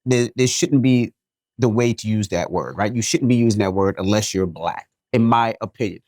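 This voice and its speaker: A man from New York City co-hosting a podcast, reading a listener's email aloud and then giving his take in a joking, animated way. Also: lowish voice, normal speed, dry recording, clean studio sound. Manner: animated, jokey, repeats himself. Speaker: podcast co-host.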